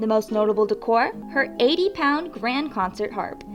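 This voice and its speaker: With music playing in the background, a woman speaks at a fairly high pitch with lively intonation. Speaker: TV news reporter. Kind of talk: TV news package voiceover.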